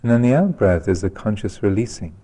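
Deep, mellow man guiding meditation. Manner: calm, unhurried, gentle delivery with long pauses. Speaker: meditation teacher. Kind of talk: guided meditation instruction.

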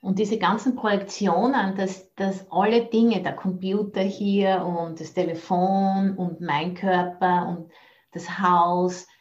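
A woman's voice: fairly low pitch, steady tone, slow pace, a little mellow. Reflective woman over muffled audio. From Austria. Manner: thoughtful, searching for words, mixes in English phrases. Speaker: Buddhist nun teacher. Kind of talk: dharma talk. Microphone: video call.

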